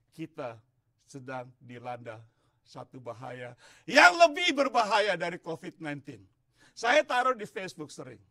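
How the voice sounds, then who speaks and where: A male pastor from Indonesia preaches with a strikingly high, bright voice. His pitch leaps around constantly, and he swings between hushed asides and shouted emphasis as he works the congregation in a church. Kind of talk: sermon.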